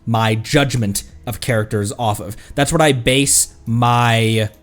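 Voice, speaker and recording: A man's voice: mid-range voice, fairly even intonation, takes it slowly, faint music behind. A man chatting casually on a live game stream, thanking viewers and laughing often.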